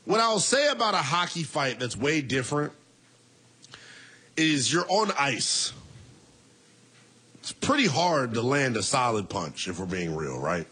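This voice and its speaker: A man in his twenties hosting a call-in sports talk show, animated and laughing as he banters with callers. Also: medium pitch, measured pace, long pauses, husky. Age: 20s.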